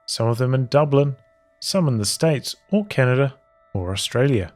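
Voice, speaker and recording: A man reading journal entries from a visual novel aloud as storytelling, in measured, halting phrases with pauses. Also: mid-range voice, lively intonation, faint music behind.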